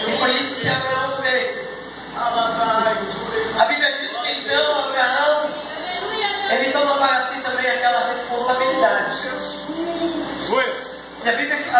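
A middle-aged man with a Brazilian accent, preaching a sermon as a missionary in a small church. He speaks into a handheld mic with fervent delivery. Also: very high voice. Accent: Brazilian Portuguese. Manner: fervent preaching, rising to shouts at climaxes. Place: small church hall with a band stage. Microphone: handheld mic, filmed from the back of the room. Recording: echoey room from far off with loud noise.

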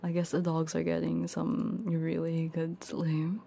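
A woman doing casual ASMR livestream chat in a soft, playful manner, right up close on a binaural ear microphone. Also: low voice, monotone, unhurried, gravelly, slightly rough. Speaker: ASMR streamer.

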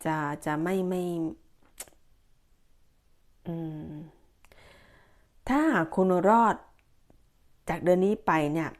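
A woman's voice: on the low side, slow pace, pauses often. A woman giving a casual monthly tarot horoscope, chatty and repetitive, with many fillers and warnings. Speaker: tarot reader.

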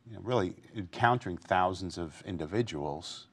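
Deep-voiced male talk show host. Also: animated, normal speed, husky. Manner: affirming, frequent "yeah" and "mm-hmm". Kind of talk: interview questions.

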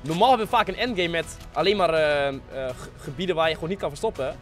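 A man, giving excitable live gameplay commentary in slangy speech sprinkled with English gaming words, close on a desk mic. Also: a little high, fast talker, soft background music. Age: 20s. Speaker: game streamer hosting an online hide-and-seek. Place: small room at a gaming desk, indoors. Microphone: close desk microphone.

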